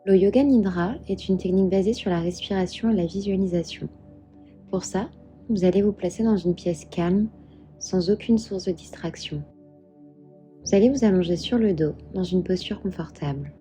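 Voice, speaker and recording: A woman guiding a meditation as a yoga instructor, calm and soothing, giving measured instructions. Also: on the low side. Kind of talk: guided meditation narration. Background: soft background music.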